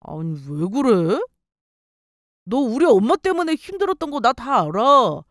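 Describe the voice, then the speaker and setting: A woman's voice: a little high, big pitch swings, a little slow, dry recording, clean studio sound. A woman voicing a clingy, self-pitying ex-husband in a dramatized story reading, pleading and whining. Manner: whiny, pleading.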